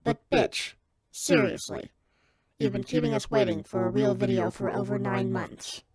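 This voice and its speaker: A woman's voice: medium pitch, steady tone, normal speed, a little mellow, close to an everyday voice. A woman playing an imperious, exasperated God in a comedy skit, solemn in pronouncements but bluntly sarcastic. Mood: stern, exasperated.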